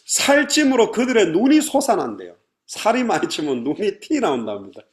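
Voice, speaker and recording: A pastor preaching a sermon, animated and acting out the people he describes. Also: high-pitched, a little fast. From Korea. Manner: animated preaching, mimicking complainers.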